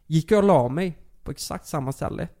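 A man's voice: on the high side, expressive, warm tone. A young man telling a personal story in a casual chat, rambling with lots of fillers and restarts.

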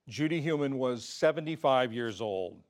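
A male news anchor reading scripted headlines and story introductions in a measured broadcast delivery. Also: mid-range voice, expressive, darkish tone, faint music behind.

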